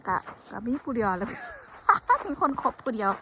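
Walking outdoors in the cold, a vlogger with an Isan (Northeastern Thai) accent chats casually with her viewers, calling them siblings and complaining at length. Her voice is on the high side and sing-song, at a normal speed, and the recording is very noisy.

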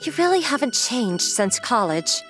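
A woman's voice: a little high, very animated, normal speed, a bit bright. A young woman playing a bossy, confident, secretly lovestruck girlfriend in a manga dub, speaking bluntly. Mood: bossy, upbeat. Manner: blunt, assertive. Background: music.

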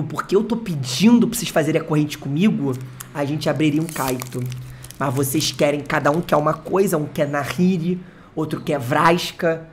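An excitable, slangy streamer from Brazil opening card packs live, who swears and jokes with chat. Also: mid-range voice, a little hiss or hum. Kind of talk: live unboxing chat with viewers.

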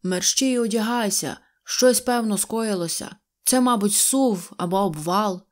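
A woman's voice: medium pitch, a little slow, a little mellow, close to an everyday voice. A woman voicing a worried railway switchman. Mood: urgent. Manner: urgent, commanding. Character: worried adult male railway switchman, a father.

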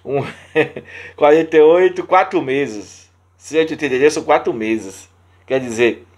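A man's voice: on the high side, breathy edge. A man with a Brazilian Portuguese accent hosting a channel, answering viewer comments in casual talk and repeating his points with indignation. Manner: reads viewer comments aloud.

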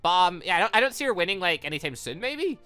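Animated, bright-voiced gaming commentator. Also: mid-range voice, racing. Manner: animated, chatty and rambling. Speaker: gaming video host. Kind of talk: casual playthrough commentary. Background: background music.

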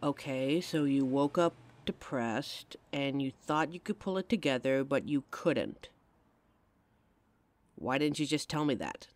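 A woman's voice: rumbling low, animated, unhurried. A woman playing a caring young adult girlfriend in an audio roleplay, talking intimately and emotionally straight to the listener on a close mic. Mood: tender, reassuring.

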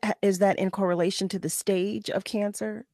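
A woman in her forties hosts a talk radio show, chatty and eager, often cutting in. Her voice sits at a middle pitch, recorded close and dry on a studio mic. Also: fairly even intonation, moderate pace, warm tone, dry recording. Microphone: headset with studio mic.

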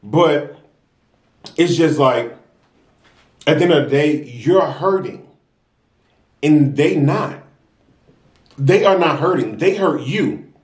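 A young American man chatting casually and earnestly to viewers while eating, unhurried between bites. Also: on the high side, lively intonation. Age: young adult. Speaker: mukbang vlogger. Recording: roomy, echoey sound.

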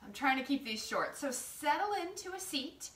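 High, bright-voiced woman teaching yoga. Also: big pitch swings, normal speed. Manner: encouraging, informal, playful step-by-step cueing. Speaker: yoga instructor. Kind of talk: guided yoga class instruction. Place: living room at home, indoors. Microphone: far camera across the room. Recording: roomy home sound, distant camera mic.

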